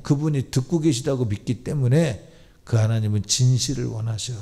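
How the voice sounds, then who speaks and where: A man's voice: medium pitch, creaky, mellow. A Korean pastor preaching an emphatic sermon in a church, often switching to blunt informal talk to address the congregation. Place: church sanctuary.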